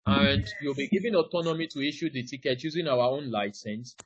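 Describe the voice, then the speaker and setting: A man's voice: mid-range voice, a little fast, dry recording. Man teaching over a video call. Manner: explains step by step, often says "now", quizzes listeners. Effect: heard over a video call. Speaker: ticketing trainer. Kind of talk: live online training presentation. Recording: dull, dry video-call audio.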